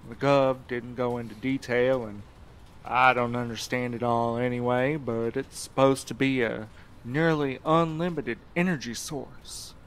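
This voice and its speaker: A man's voice: mid-range voice, steady tone, measured pace, clean tone, lightly acted. A man playing a jaded, slangy internet cafe owner in an audio drama, with a brash, casual way of talking. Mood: offhand, impatient. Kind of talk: naturalistic audio drama acting.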